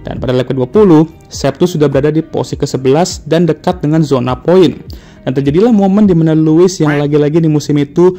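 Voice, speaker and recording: Man, motorsport youtuber, casual joking narration, slangy, higher pitch, faint background music. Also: quick pace, mellow. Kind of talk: casual race recap narration.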